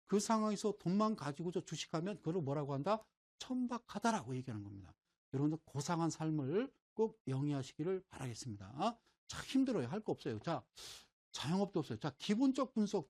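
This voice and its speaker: A man's voice: high-pitched, darkish tone. A middle-aged man giving an informal recorded lecture on stocks, explaining with homespun everyday examples and often checking that listeners follow. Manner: folksy, keeps asking "right?" to check the audience follows.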